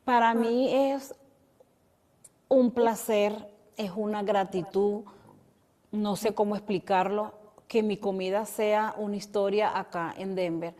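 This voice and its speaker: A woman's voice: medium pitch, fairly even intonation, takes it slowly, warm tone. Grateful woman chef in a reverberant hall. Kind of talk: documentary interview.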